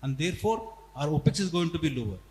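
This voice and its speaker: An Indian man answers as a company executive on a conference call, in a slightly high voice. He lays points out step by step and repeats for emphasis. The sound is echoey, in a reverberant hall with faint noise. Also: animated, quick pace, a little mellow. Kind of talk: earnings call explanation.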